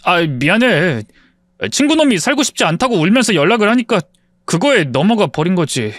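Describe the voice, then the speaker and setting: A man voicing an earnest, soft-hearted husband who swings from anger at a friend to humble apology. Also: high voice, very animated, fairly quick, no room sound, studio quality. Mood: sheepish. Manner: angry then humbly apologetic.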